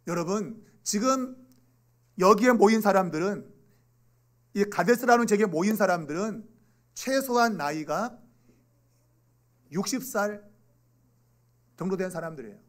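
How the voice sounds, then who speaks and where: Animated higher-voiced male pastor. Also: measured pace, long pauses. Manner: animated, acts out quoted voices, rising and dropping to near whispers. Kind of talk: children's sermon. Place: church sanctuary.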